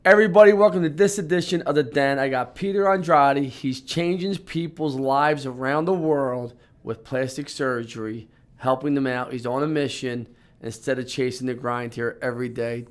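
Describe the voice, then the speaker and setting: A man with a Northeast Philadelphia accent hosts an interview in a podcast studio. His voice sits at a middle pitch. He talks in a relaxed, conversational way as he sets up his questions. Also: moderate pace. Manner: laid-back, conversational, leading questions. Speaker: podcast host. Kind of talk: casual interview hosting.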